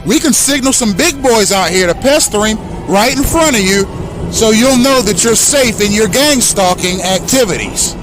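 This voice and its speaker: A man in his thirties, a native English speaker, hosting an impassioned direct-address monologue with accusatory, emphatic speech and slow deliberate stresses. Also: high voice, expressive, over music, poor audio. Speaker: host.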